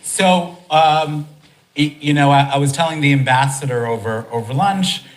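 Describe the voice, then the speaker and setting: An American man hosting a live talk in a conference hall, chatty and energetic, with many restarts. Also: fairly high pitch, moderate pace. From United States. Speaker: event host and speaker.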